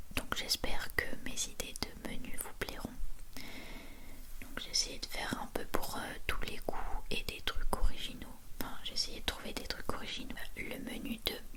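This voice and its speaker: A woman's whisper at a fairly slow pace, broken by long, frequent pauses, over noticeable background noise. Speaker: ASMR creator. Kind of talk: ASMR whisper recipe talk. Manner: whispered.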